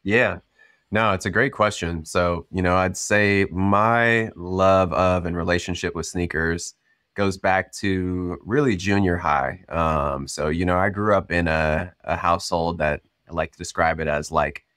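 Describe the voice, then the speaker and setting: A man born in Cameroon, a startup founder, talking through his story in a relaxed, chatty way with lots of ums and you-knows. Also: deep voice, a little slow, dry recording, studio quality. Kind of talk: casual storytelling interview.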